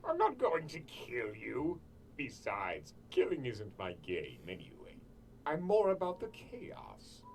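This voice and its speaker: A woman's voice: extremely low pitch, wildly swooping pitch, slow pace, a little mellow, slight background noise, full character voice. A woman voicing a sly, teasing male trickster of chaos in a cartoon, sardonic and theatrical. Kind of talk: dramatized cartoon parody dialogue.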